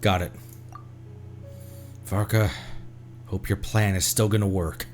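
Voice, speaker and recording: A man giving casual live gameplay commentary as a streamer, with an excitable manner. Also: fairly low pitch, takes it slowly, faint music behind. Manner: excitable, animated.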